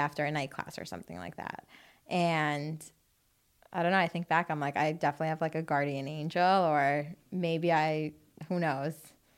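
A woman's very deep, low voice in an American accent, with fairly even intonation, in a very clean recording with a silent background. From New York City. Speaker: traffic reporter and TV producer. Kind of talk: casual chat. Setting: home studio.

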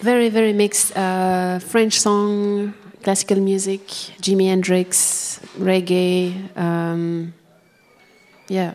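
Over noticeable background noise, a woman with a non-native accent speaks very slowly at a medium pitch, her intonation monotone and flat. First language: not English. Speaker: musician. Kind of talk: live interview on stage. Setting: stage with audience. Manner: halting.

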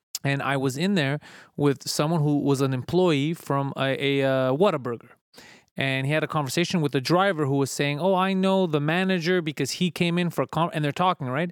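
On a very clean recording with a silent background, a man with a normal speaking voice talks at a fairly quick pace. His pitch is fairly high with ordinary variation, and his loudness stays very even. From Canada, Montreal. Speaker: comedian guest. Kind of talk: casual chat.

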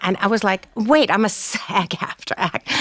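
A woman's voice with ordinary pitch variation, dry and close with no echo, on a very clean recording with a silent background. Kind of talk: panel discussion. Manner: not soft-spoken, assertive.

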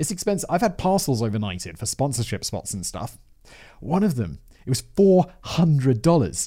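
Speaking in a British accent at a moderate pace, a man with a dark, mellow tone and a fairly high pitch shows vocal fry and very wide pitch swings on a very clean recording with a silent background. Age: 30s. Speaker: podcast host. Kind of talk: reading a script aloud with casual commentary.

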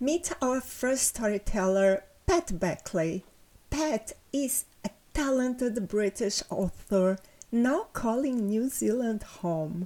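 Very slow and with lively intonation, a woman speaks at a fairly high pitch. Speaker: podcast host. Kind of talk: scripted narration.

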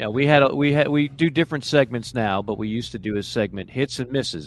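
In an ordinary speaking voice, a man talks at a fairly quick pace. His intonation is lively. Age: 40s. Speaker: sports broadcaster. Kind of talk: sports talk show.

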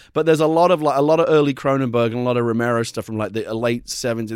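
The recording is very clean, with a silent background. A man with a British accent speaks at medium pitch with ordinary pitch variation. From UK. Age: 40s. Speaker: screenwriter. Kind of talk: casual interview. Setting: studio-like venue in San Francisco, in person.

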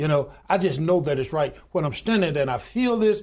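In a Southern US accent, a man talks with lively intonation at a high pitch. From US South, Alabama. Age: 60s. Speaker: union leader. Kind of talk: interview.

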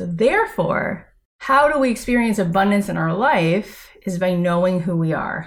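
Here is a woman with an unremarkable speaking voice at a medium pitch. Her intonation is lively and her pace moderate. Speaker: podcast host and author. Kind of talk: conversational interview about ego and consciousness.

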